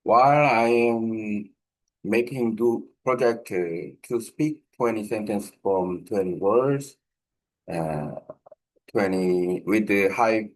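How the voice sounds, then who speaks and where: Slow, halting man with Korean accent. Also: fairly low pitch, low-quality recording. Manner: halting, searching for words in simple non-fluent English. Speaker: language learner explaining a speaking practice project. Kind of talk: informal explanatory monologue.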